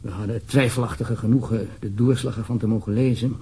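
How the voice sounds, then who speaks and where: A man's voice: on the low side, steady tone, quick pace, mellow, husky. A man with a Netherlands Dutch accent playing an uneasy, formal government official in a radio drama, wordy and hesitant. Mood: uneasy, grave.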